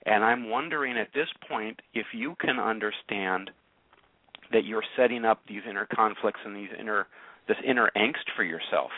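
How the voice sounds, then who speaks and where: A male radio host with a lowish voice presses a caller with probing, challenging questions and repeats words as he pushes. The sound is narrow and phone-like, and very dry. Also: normal speed, no room sound. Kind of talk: talk radio coaching a caller.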